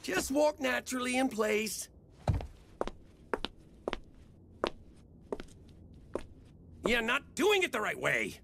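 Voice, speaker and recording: An actress voicing a middle-aged, picky, eccentric sound effects artist in an anime dub, talking in a bossy, playful way. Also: female voice, on the high side, huge pitch swings, normal speed, vocal fry, background noise, exaggerated voice. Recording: music playing under the voice.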